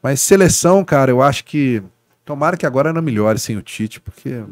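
A man's voice: mid-range voice, fairly quick, no room sound. A man from Brazil, a sports journalist guest on a casual podcast, telling stories animatedly and tagging his sentences with little asides. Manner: animated storyteller, frequent "né, cara" tags.

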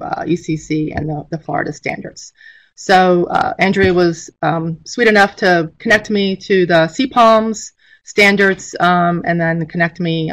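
A middle-aged woman giving an informal instructional presentation as a teacher, speaking over a video call. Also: lowish voice. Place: indoor room, on a webcam video call.

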